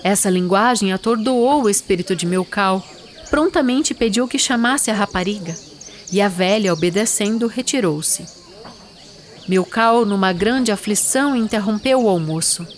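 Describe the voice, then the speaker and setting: A woman's voice: medium pitch, animated, moderate pace, slight background noise. Female narrator, solemn literary storytelling, mid-range voice, faint nature ambience behind. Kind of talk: literary narration, audio drama.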